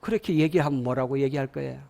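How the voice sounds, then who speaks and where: A man with a Gyeongsang accent giving an animated lecture to parents, often asking the audience questions and having them repeat lines after him. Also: medium pitch, fast, creaky.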